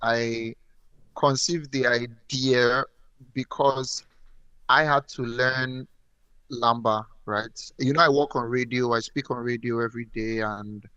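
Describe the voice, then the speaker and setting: A man's voice: medium pitch, fairly even intonation, slow pace, pushed and bright, clean tone, no echo, muffled recording. Guy radio host, dry close sound, chatty, says things twice. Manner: friendly, repeats himself, laughs often. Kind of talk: casual on-air chat.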